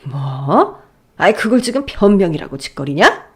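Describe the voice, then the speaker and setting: A furious wealthy old father, put on by a woman reading the story snaps and sneers in a lowered, gruff voice. His pitch swings widely as he scolds, blunt and contemptuous. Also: big pitch swings, normal speed, heavily acted. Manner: gruff, sneering, shouting insults.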